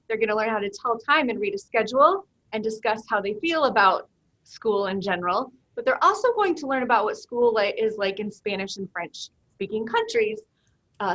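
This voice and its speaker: A woman's voice: a little high, fairly bright tone. Teacher lady from the midwest going over the school year, kinda dull lo-fi sound. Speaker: language teacher. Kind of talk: back-to-school night presentation.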